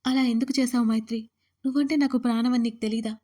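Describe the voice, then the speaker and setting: A desperate young man in an audio drama, pleading and near tears as he insists he is wronged, read by a woman. The voice sits a little high and sounds soft and mellow. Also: steady tone, quick pace, lightly acted.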